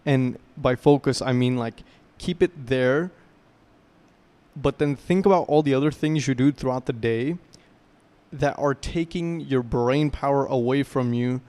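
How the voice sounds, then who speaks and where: A man's voice: mid-range voice, darkish tone, clear, resonant tone. A young man giving a casual self-improvement talk to camera, loose and rambling, often checking in with "right?" and explaining through gaming comparisons.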